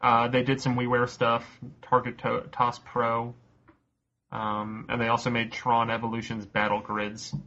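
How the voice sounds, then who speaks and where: A man hosting a casual podcast quiz, reading out questions slowly, cursing offhandedly and laughing often. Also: mid-range voice, completely flat delivery, bright, forceful tone, lo-fi sound. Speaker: quiz host.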